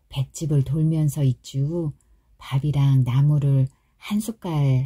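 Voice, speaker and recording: A woman's voice: sits low, dark tone, husky, full character voice. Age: young adult. Figure: a woman putting on a chatty young village wife. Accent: Chungcheong dialect. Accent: Chungcheong Korean dialect. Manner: folksy, drawn-out, coaxing.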